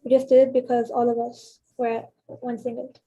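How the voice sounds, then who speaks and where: A woman from Egypt, a hackathon participant giving halting feedback. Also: a little high, completely flat delivery, dark tone, husky. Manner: hesitant, halting. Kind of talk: casual spoken feedback. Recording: dull call audio.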